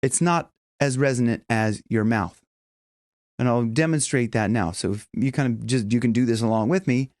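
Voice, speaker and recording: A man's voice: mid-range voice, normal speed, a little mellow, no echo, clean studio sound. A middle-aged man giving an instructional voice lesson as a vocal coach, explaining things step by step. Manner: demonstrates with hums and sung tones. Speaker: vocal coach and professional singer.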